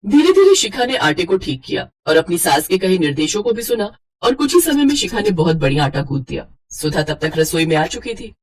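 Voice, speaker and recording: A woman narrating a cartoon moral story. Her voice is a little husky and breathy, and her telling is steady, even and easy to follow. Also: fairly low pitch, brisk, hardly any pauses.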